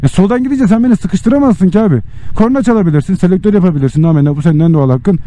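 A man's voice: sits high, very fast, warm tone. A man motovlogger in a casual, combative, blunt rant, swearing as he talks inside a helmet while riding. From Turkey. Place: outdoors, riding a motorcycle in traffic. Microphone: microphone inside a helmet. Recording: helmet mic with road and engine noise.

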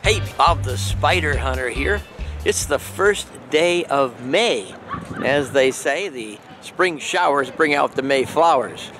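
A man in his sixties from Michigan, chatting in a relaxed, gentle way with pauses and fillers as he vlogs outdoors. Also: medium pitch, over music. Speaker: nature vlogger. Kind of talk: casual outdoor vlog narration. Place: outdoors in a park, later indoors at home.

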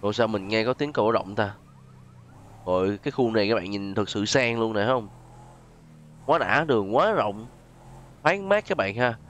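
This male YouTube gamer speaks at normal speed in a lowish, animated, fairly bright voice, leaving long pauses. He has a southern Vietnamese accent and keeps up exclamatory, chatty commentary with role-play, often turning to his audience. A slight hiss or hum sits under the audio.

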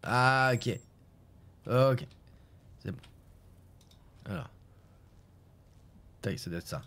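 A man's voice: medium pitch, drawn-out words, gravelly, fairly bright tone. A male streamer chatting casually over a game, swearing and reading texts aloud.

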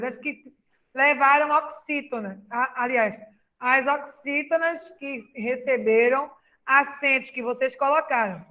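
Female teacher, Brazilian Portuguese accent, high-pitched, unhurried, patient questioning tone, dull lo-fi recording. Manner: patient, questioning, slow and explaining. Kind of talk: classroom lesson.

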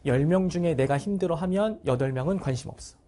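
A man's voice: on the high side, quick pace, mellow. A male cram school teacher giving a blunt, casual motivational talk to his students. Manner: acts out students' voices in short bursts.

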